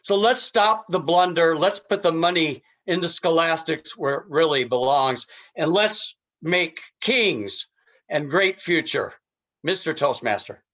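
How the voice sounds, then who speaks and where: A man's voice: a little high, expressive, a little slow, fairly bright tone. A man giving an impromptu persuasive speech as a contestant, earnest and emphatic, repeating key phrases. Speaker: contest speaker.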